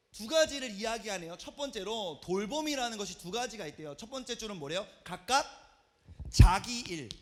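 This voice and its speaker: A man in his thirties, a youth pastor, preaching a lively retreat sermon and acting out the people in his stories. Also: high voice. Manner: animated storytelling, acts out quoted voices. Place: church hall at a youth retreat.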